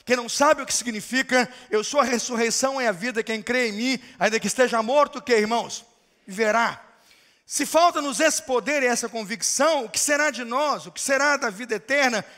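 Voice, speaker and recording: A man preaching a sermon in a large church, telling a story dramatically and rising to shouted climaxes. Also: extremely high pitch. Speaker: pastor. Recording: long hall reverb of a church.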